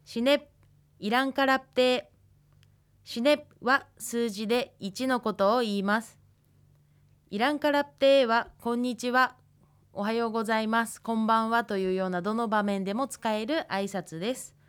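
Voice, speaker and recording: A woman's voice: fairly high pitch, smooth. Young woman lecturer, patient and careful. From Hokkaido, Japan. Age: 20s. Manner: patient, careful explanations with slow model pronunciations. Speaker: language lecturer. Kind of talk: radio language lesson.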